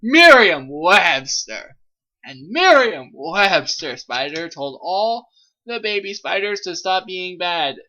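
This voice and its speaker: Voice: medium pitch, expressive, slow pace, pushed and bright, highs cut off. A co-reader giving a hammy, theatrical dramatic reading of fan fiction, with joking commentary.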